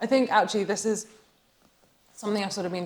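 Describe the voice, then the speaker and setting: A woman's voice with a southern English accent and fairly even intonation. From southern England, West Sussex. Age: 20s. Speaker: fashion stylist. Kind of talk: podcast interview.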